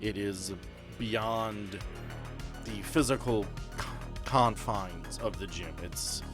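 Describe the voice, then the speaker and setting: A man's voice: on the low side, fairly even intonation, takes it slowly. A man running a tabletop game as game master, narrating and explaining the rules in a conversational way. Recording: music behind the voice. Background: background music.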